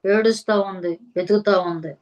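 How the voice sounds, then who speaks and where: Woman preaching in slow, rhythmic phrases. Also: medium pitch, fairly even intonation, a little mellow, low-quality recording. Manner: asks the listeners pointed questions. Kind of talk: sermon reading and explaining scripture.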